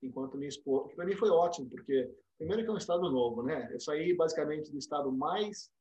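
A Brazilian man talks quickly, his voice a little higher than most. He tells long stories over a remote call and animates the remarks he quotes. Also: lo-fi sound, slight background noise. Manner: animated storyteller, acts out quotes. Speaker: guest, dentistry professor. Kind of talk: casual remote interview storytelling. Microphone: remote call microphone.

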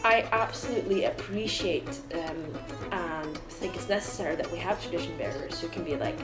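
A young woman folk musician from Sweden, raised in Norway, thoughtfully explaining her views on music. Her voice rings in a roomy space, and folk music plays clearly behind her. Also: on the low side, brisk. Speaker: folk musician, mandola player. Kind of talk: casual interview talk.

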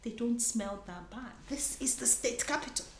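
A woman's voice: on the high side, lively intonation, moderate pace. A woman from Nigeria, a conference panelist, talking earnestly in an interview and often restarting her sentences. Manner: earnest, searching, frequent restarts. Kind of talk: conversational interview. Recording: echoey room with faint noise.

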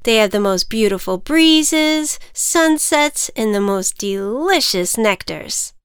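Storybook figure: a cheeky, needling little ant, played by a woman, bright and raised, close dry sound. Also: a little high, animated, takes it slowly, clean tone, no room sound. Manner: sassy, needling, persuasive.

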